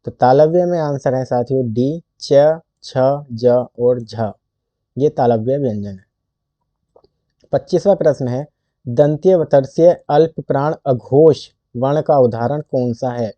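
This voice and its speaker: Male exam tutor, unhurried quiz delivery, very dark mellow tone, dull lo-fi recording. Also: mid-range voice, dry recording. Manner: reads options slowly, then states the answer. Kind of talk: quiz lesson reading questions and answers.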